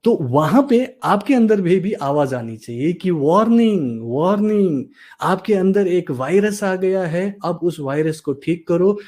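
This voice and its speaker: A man's voice: high-pitched, expressive, measured pace, few pauses, darkish tone. A man giving a live motivational coaching session, acting out example feelings and mixing in English phrases.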